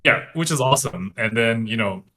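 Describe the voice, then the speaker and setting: Animated and fairly quick, this podcast guest speaks at medium pitch with a bright, forceful tone on a low-quality recording. He's a card game player from Singapore in his late twenties, talking casually over video call in a small room at home.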